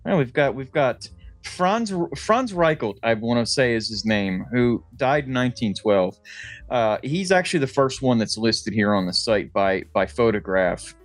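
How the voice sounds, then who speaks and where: A man's voice: medium pitch, lively intonation, moderate pace, no echo, soft background music. An American man co-hosting a podcast, telling stories in a casual, comedic way, swearing freely and laughing as he talks. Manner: laughs while talking, swears freely, jokey storytelling. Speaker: podcast co-host.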